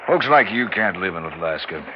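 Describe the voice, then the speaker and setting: Gruff, deep-voiced old mountain man. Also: big pitch swings, moderate pace. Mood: stern, unhurried. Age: older. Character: slow, wry, stubborn old Alaskan gold prospector. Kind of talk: old broadcast drama acting. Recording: muffled, noisy old drama soundtrack.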